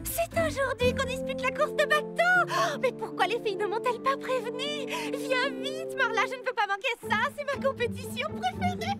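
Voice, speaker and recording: Very high, bubbly cartoon girl. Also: normal speed, few pauses, over loud music. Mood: excited. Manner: bubbly, emotional. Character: sweet, excitable young cartoon girl, aspiring fashion star. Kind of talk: French children's cartoon dub acting.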